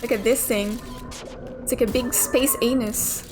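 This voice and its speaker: A young woman plays a video game and comments casually, thinking out loud and dropping the occasional swear word. Her voice is on the high side, with fairly even intonation and a measured pace, and game music plays clearly in the background.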